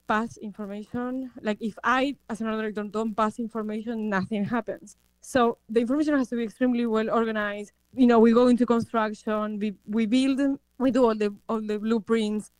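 A woman from Argentina in her thirties speaks as an interview guest, pausing and restarting as she thinks. Her voice sits a little high and sounds smooth and resonant. The recording is dry and close. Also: steady tone, a little mellow, no echo, poor audio. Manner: reflective, with frequent fillers and restarts. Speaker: production designer guest. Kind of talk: interview answers.

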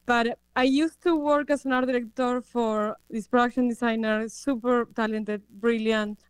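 Argentine woman, bright clear voice. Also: on the high side, steady tone, normal speed, no room sound. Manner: reflective, with frequent fillers and restarts. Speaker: production designer guest. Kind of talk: interview answers.

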